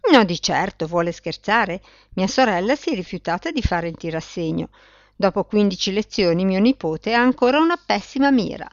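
A woman's voice: medium pitch, expressive, moderate pace, dry recording, lo-fi sound, close to an everyday voice. A woman reading aloud, voicing a bald, red-faced middle-aged man who grumbles with indignation. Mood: indignant.

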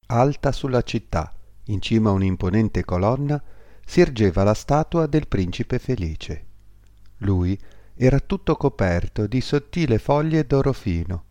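A man reading a fairy tale aloud as narrator, measured storytelling. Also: on the low side, expressive, mellow, no room sound.

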